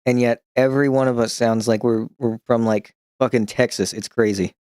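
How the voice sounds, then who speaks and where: A man chatting on a stream, spilling rambling, profane stories full of restarts and little laughs, with a slight New York twang that creeps in as he gets worked up. His voice sits at an ordinary middle pitch. He is recorded on a close, dry mic with no room sound. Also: fairly even intonation, moderate pace, a little mellow, smooth, dry recording. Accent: slight New York-style twang when excited. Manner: chuckles while telling stories. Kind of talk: casual stream chat.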